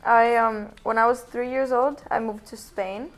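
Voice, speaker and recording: A woman's voice: a little high, fairly even intonation, measured pace, soft background music. A young woman from Finland, a singer, answering interview questions in a casual, upbeat way with frequent laughs and lots of "like". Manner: upbeat, laughs often, says "like" a lot.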